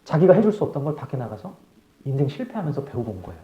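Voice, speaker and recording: A man preaching a live sermon as a pastor, telling the story with animated, emphatic delivery in a church hall. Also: mid-range voice, rapid-fire. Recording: echoey, dull live church sound.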